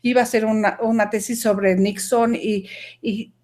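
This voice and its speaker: This woman, of Mexican and Danish background, recounts something personal on a video call at a moderate pace. Her voice sits on the high side, and she speaks with animation and emphasis, often fixing what she says mid-sentence.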